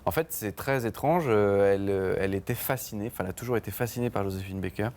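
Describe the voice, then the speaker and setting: A man's voice: on the low side, fast talker, darkish tone. A man, a band's songwriter, talking casually in a TV interview, hesitant, with many fillers and restarts. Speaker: band songwriter, interview guest. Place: TV studio.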